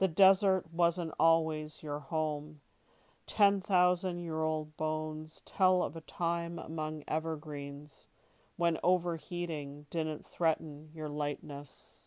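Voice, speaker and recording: With a dramatic tone, a woman speaks very slowly in a very deep, low pitch and a monotone, flat intonation. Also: very clean recording, silent background. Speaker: poet. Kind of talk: poem reading. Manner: measured, hushed, incantatory delivery with dramatic pauses; lyrical, deliberate, image-by-image cadence.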